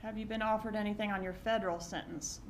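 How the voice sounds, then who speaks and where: A woman's voice: mid-range voice, fairly even intonation, quick pace. Female prosecutor questioning in a noisy courtroom. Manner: short pointed questions. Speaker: prosecutor examining a witness. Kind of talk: courtroom direct examination.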